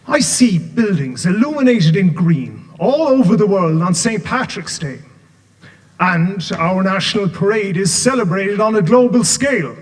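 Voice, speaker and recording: A composed, earnest rebel's ghost, played by a man with a high voice. He talks in a measured, solemn way. The sound is a stage play caught in a hall with a long reverb. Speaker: stage actor.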